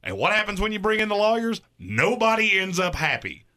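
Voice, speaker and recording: Thirties male sports radio host, argumentative, bright and animated. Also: sits high, brisk. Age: 30s. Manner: emphatic, argumentative.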